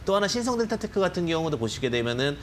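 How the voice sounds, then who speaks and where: A man appearing as a stock expert on a TV show, explaining market outlooks quickly with many hedging phrases. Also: on the high side, sing-song, slight background noise. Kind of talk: TV stock analysis. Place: TV studio.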